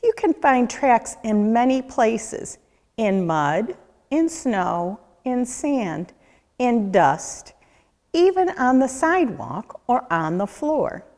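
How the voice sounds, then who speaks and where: Woman, children's book read-aloud, deliberate questioning storyteller, animated intonation, long room reverb. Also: on the high side. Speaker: nature center educator reading aloud.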